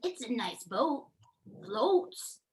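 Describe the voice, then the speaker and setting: A woman's voice: fairly high pitch, very animated, drawn-out words, heavily acted. A woman playing a sad, childlike clown monster, coaxing with false innocence, in a screenplay table read.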